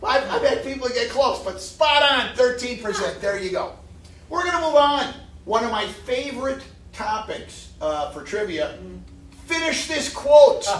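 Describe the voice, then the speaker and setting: Audible room echo and noticeable background noise surround the recording. A man with an American accent speaks at a fairly slow pace. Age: 70s. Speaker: trivia quiz host. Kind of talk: live trivia quiz with audience. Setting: room with live audience.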